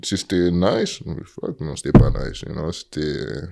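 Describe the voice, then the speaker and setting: Man, young adult, Quebec French accent, very low pitch, casual podcast chat, lively storytelling. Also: a little slow, vocal fry. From Montreal. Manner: animated, mixes in English slang. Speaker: guest football player.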